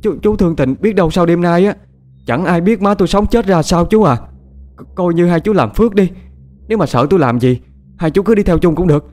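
A man's voice: high voice, a little fast, a little mellow, voice pushed up, natural voice. Man voicing an anxious pleading woman. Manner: pleading, stammering, rustic address. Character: anxious pleading middle-aged woman, daughter.

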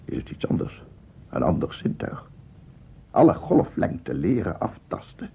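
A brooding, solitary man muses to himself in a radio drama. His voice is very low and swings expressively through halting thoughts. The old recording is muffled and narrow. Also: wildly swooping pitch, gravelly, slightly rough, heavily acted. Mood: obsessed, insistent. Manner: musing, halting monologue. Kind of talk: Dutch radio play acting.

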